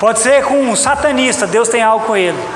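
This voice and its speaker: Speaking fairly quickly in an extremely high pitch, this Brazilian preacher talks straight to his congregation, hammering home and repeating his points with emphasis. Loud background noise fills the echoey recording from a reverberant church hall.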